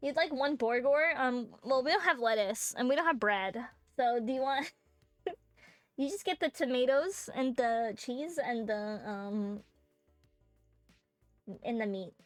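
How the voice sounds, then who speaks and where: High-voiced joking woman streamer. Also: lively intonation, slow, long pauses, no room sound, faint music behind. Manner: joking, rambling, many fillers. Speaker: VTuber streamer. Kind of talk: casual game-stream chat.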